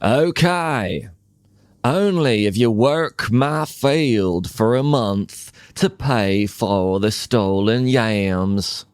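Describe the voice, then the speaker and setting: A British man puts on a stern but fair farmer from a storybook folk tale. He speaks slowly and firmly, driving a bargain, in a dry, close recording. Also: fairly low pitch, animated, smooth, dry recording. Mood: stern, relenting.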